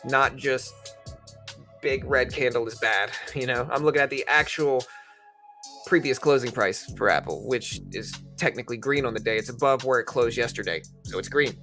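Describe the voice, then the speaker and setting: A man's voice: mid-range voice, moderate pace, pushed and bright, faint music behind. A man hosting a livestream, giving casual, conversational market commentary and explaining things informally to viewers. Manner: informal, conversational, explanatory, hedging both sides. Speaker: livestream host and stock trading commentator.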